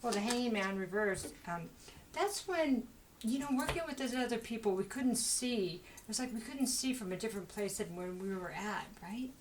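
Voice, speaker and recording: Fast-talking, rambling woman tarot reader. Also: mid-range voice, expressive, a little hiss or hum, rough recording. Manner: fast, rambling, conversational with many fillers. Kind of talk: casual tarot reading monologue.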